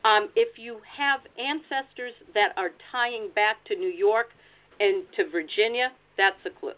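At a measured pace and medium pitch, a woman from the United States shares practical tips as a genealogy researcher. Her explanatory webinar talk takes place over a video call, and the audio has a tinny, phone-like quality.

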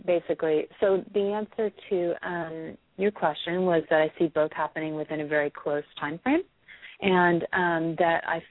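A hoarse woman with a cold, giving a psychic reading to a caller, hesitant with many ums before firm predictions. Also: low-pitched, dry recording. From United States. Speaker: psychic reader. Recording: dry, phone-quality sound.

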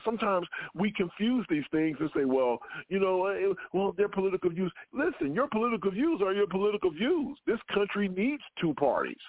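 Lively, emphatic male radio host. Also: on the high side, no room sound. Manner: emphatic, repeats words when interrupted. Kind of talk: opinion talk show debate. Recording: phone-like narrow sound.

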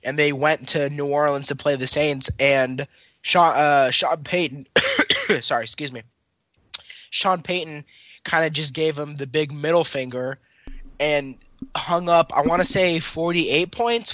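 A man's voice: on the high side, animated, unhurried, fairly bright tone, no room sound. A young man co-hosting a casual podcast, telling stories and teasing his co-host in a chatty way. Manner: chatty, storytelling, playful teasing. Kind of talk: casual chat.

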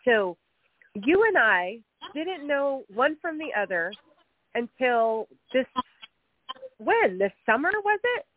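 A woman's voice: a little high, big pitch swings, slow pace, long pauses, dry recording. A middle-aged woman hosting a radio interview, upbeat and chatty, stuffed up with a cold. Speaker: radio show host. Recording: tinny phone-like radio audio with faint music.

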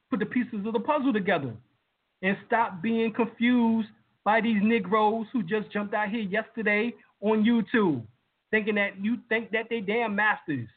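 A man hosting a live-stream lecture, talking casually with lots of fillers and building emphasis. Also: sits high. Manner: emphatic, with many fillers and rising heat. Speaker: lecturer and show host. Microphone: video call. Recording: tinny phone-like line.

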